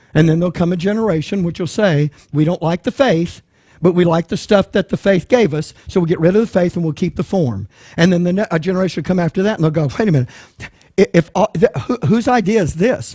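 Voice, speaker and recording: A man's high voice with a dark, mellow tone, very fast delivery, ordinary pitch variation and a dry, close sound with no echo. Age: 60s. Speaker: Bible teacher. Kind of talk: Bible study lecture. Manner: conversational, with false starts.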